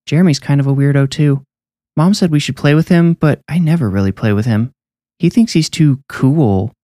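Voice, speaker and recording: A man voicing an eager, friendly little girl with a bright, childlike, earnest manner in a storybook reading. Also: fairly high pitch, moderate pace, no room sound, clean studio sound, pitched above the performer's own voice, close to an everyday voice. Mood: chatty.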